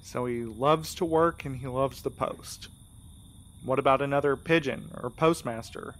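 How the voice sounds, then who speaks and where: In a fiction podcast, a man plays an earnest, gentle, anxious young courier, speaking sincerely with a bit of hesitation and a focused mood. His medium-pitched voice is slightly slow and only lightly acted.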